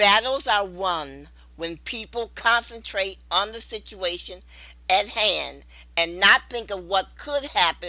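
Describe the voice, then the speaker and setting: A woman speaks very slowly with a bright, sharp tone, vocal fry, and ordinary pitch variation. The recording is very clean, the background silent. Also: medium pitch for a woman. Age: 70s. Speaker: breast cancer survivor and advocate. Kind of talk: testimony and appeal.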